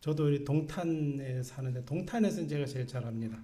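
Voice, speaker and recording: The man's fairly high voice has a dark, mellow tone, is somewhat breathy, shows ordinary pitch variation and carries audible room echo. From Gangwon Province, South Korea (Gangneung). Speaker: pastor. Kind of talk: sermon. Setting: church. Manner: casual, humorous storytelling.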